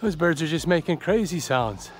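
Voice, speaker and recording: A man's voice: fairly high pitch, animated, normal speed, soft background music. A male travel vlogger talking casually and joking to himself while hiking outdoors in a rainforest, recorded on a handheld camera. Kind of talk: casual solo travel vlog narration.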